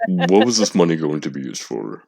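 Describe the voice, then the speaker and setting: A man's voice: very deep voice, very animated, brisk, gravelly, a little mellow. A man playing a tabletop game, joking and bantering casually in a playful, wisecracking way.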